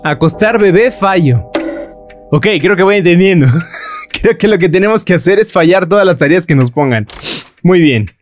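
A man's voice: high-pitched, expressive, moderate pace, faint music behind. A man commenting on a horror game he is playing, joking and breaking into nervous laughs and shrieks. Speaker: gaming YouTuber.

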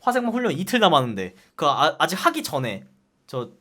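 A young man tells a personal story at a quick clip, casual and loose, and curses often. His pitch moves a lot as he talks. He slips in and out of voices for the people in his story. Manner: animated, swears freely, acts out voices.

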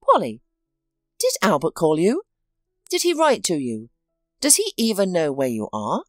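A woman voicing a steady, helpful male friend, speaking calmly and reassuringly in a storybook reading. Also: on the low side, measured pace, dry recording, clean studio sound, faint music behind.

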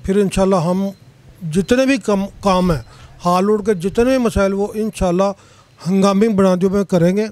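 Male trade leader interviewed, high mellow voice, handheld mic. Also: moderate pace, no room sound. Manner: grateful, devout phrasing. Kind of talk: interview answer. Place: crowded indoor office.

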